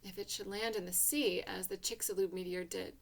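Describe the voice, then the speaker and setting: A woman's voice: mid-range voice, steady tone, fairly quick, vocal fry. A woman reading a literary short story in the first person, with intense, theatrical delivery. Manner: intense, theatrical, hushed passages swelling to emotional peaks.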